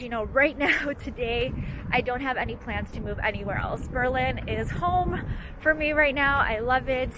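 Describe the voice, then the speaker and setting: A woman's voice: a little high, noisy background. A young Canadian woman chatting casually to her viewers while walking through a city with a handheld camera. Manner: chatty, upbeat, addresses viewers directly. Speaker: vlogger. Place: outdoors in a city street.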